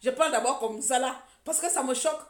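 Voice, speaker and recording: A woman's voice: sits high, fast. A woman from Gabon, an activist ranting sarcastically and scolding on a live stream. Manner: mocking, scolding, repetitive. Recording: echoey room.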